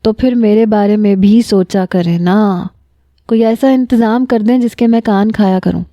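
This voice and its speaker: A woman's voice: mid-range voice, dry recording, natural voice. A woman reading a teasing young man. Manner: teasing, calm and pointed. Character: playful self-assured young man.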